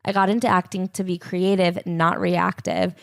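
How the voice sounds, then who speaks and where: A young woman co-hosting a podcast, sharing relaxed, opinionated takes on a memoir. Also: fairly low pitch, normal speed, vocal fry, no echo, studio quality. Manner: relaxed and opinionated, with frequent "like" asides. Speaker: podcast co-host. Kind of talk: casual book-club chat.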